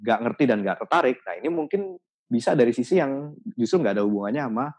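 A man in a casual podcast chat, explaining his advice thoughtfully with many pauses and restarts. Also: medium pitch, lively intonation, a little mellow, slightly rough. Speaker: podcast guest.

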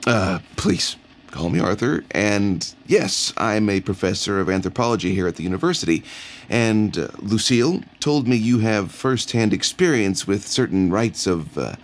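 A man's voice: on the low side, lively intonation, normal speed, lightly acted. An actor playing a nervous young male anthropology professor who hesitates and fumbles. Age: young adult. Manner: hesitant, fumbling, full of uhs.

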